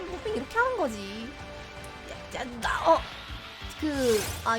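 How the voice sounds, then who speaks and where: A young woman giving casual, chatty commentary as she plays a game, reacting loudly, laughing often and teasing her viewers. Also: sits high. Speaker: game streamer. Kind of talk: casual let's-play commentary. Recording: game music behind the voice.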